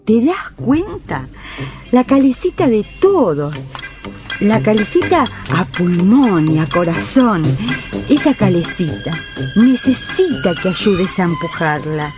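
An actress playing an earnest, tender working-class woman with an Argentine accent in a radio play, speaking expressively. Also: medium pitch. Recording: music playing behind the voice.

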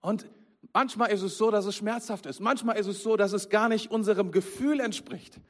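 Lively preacher man, high voice. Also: normal speed. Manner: lively, conversational, addresses the congregation directly. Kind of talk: sermon.

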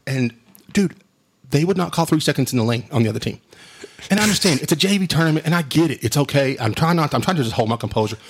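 A middle-aged man with a booming, husky voice, chatting casually. He tells animated stories, laughs often and keeps saying "dude". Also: fast talker. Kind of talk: casual storytelling chat.

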